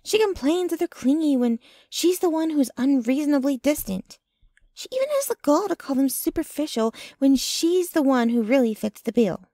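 A woman playing a possessive, jealous young girlfriend in an intimate ASMR roleplay, sweetly menacing, with a breathy voice that often drops to a whisper and a cooing, clinging manner. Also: high voice, sing-song, dark tone, no room sound, clean studio sound. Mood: scornful, jealous. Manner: slow, cooing, clinging to the listener.

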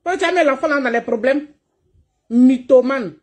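A woman's voice: high-pitched, moderate pace, darkish tone. A woman streamer delivering a heated livestream rant, combative and mocking, laughing as she scolds. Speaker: online streamer.

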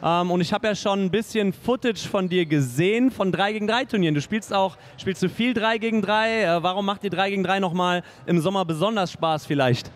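Middle-aged guy hosting, high voice, chatty, says nice a lot, handheld mic. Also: brisk, few pauses. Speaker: host, interviewer. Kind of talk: hosted interview and announcements. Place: indoor studio in front of a sponsor wall.

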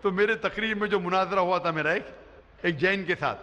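Speaking a little fast in a high, bright, forceful voice, a middle-aged Islamic preacher answers audience questions in a public lecture before a large arena crowd. He explains emphatically into a stand microphone, often checking that listeners understand. The sound is lo-fi, with a long hall reverb.

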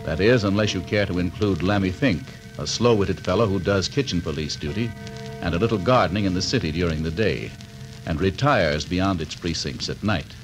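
A man announcing and narrating a 1940s radio serial in a dramatic, measured scripted style. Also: low-pitched, faint music behind, low-quality recording.

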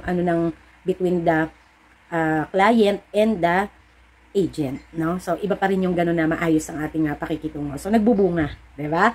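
Her voice on the low side and a little mellow, a middle-aged vlogger who runs a sari-sari store chats with viewers. She acts out dialogue in her stories and delivers encouraging pep talks with a preachy streak.

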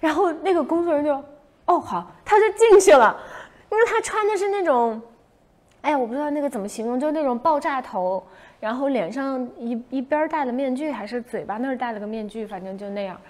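A young woman tells a story on a casual livestream. Her voice sits a little high, and she brings the story to life by acting out the shouts she gave. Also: fast. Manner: animated, acts out her own past shouts. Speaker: livestream host.

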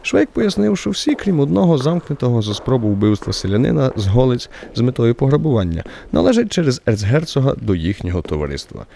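A man narrating a literary radio drama as the wry author's voice, in an expressive, theatrical way. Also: mid-range voice, fairly quick, creaky, hardly any pauses.

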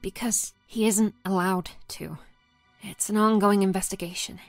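An actress playing a caring, confiding female friend in an audio drama, soothing and often hushed. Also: medium pitch, fairly even intonation, moderate pace, no echo, faint music behind, lightly acted.

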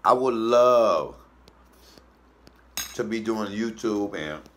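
A man's voice: lowish voice, lively intonation, slow pace, fairly bright tone, a little hiss or hum. A man in his fifties talking casually on camera while chewing a mouthful of food, blunt and profane. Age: 50s. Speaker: mukbang vlogger. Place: indoors in front of a green wall.

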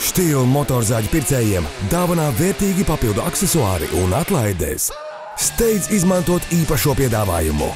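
A man reading a commercial voice-over as a punchy sales pitch. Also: sing-song, moderate pace. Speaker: ad announcer. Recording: clear music bed.

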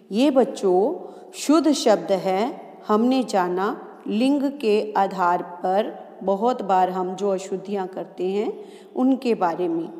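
A woman teacher giving a grammar lesson to children. She reads example sentences slowly and answers her own questions. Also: mid-range voice, a little mellow. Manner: slow, deliberate dictation of example sentences. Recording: echoey room with long reverb.

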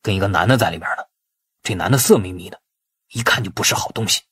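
A man's voice: deep voice, quick pace, husky, dry recording, clean studio sound, voice pushed down. A man voicing a blunt, gossipy henchman in an audiobook, muttering under his breath. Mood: hushed, disapproving. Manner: hushed, muttering.

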